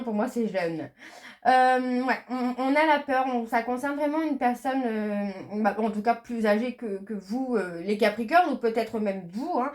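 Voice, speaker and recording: A woman doing a casual card reading, chatty and hesitant, with many fillers and restarts, slowing down when she reads card messages aloud. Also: a little high. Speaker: medium doing a tarot reading.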